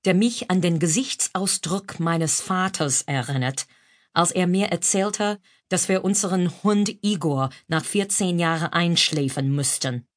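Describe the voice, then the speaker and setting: An American woman, a native English speaker, narrates her own humorous memoir as an audiobook in German, mixing in English phrases. Her voice is fairly low and her pace measured.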